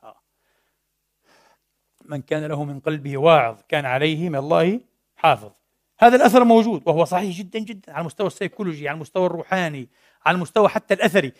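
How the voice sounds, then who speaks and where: A man's voice: fairly high pitch, rapid-fire, long pauses. A middle-aged man preaching a sermon in a mosque, telling a story animatedly and slipping between formal and colloquial speech. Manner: animated storytelling, mixing classical and colloquial Arabic. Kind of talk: Friday sermon.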